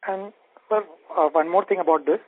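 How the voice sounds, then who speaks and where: A man's voice: high-pitched, moderate pace. A man with an Indian accent asking questions as an analyst on an earnings call, polite, wordy and hesitant. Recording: dry narrow telephone line.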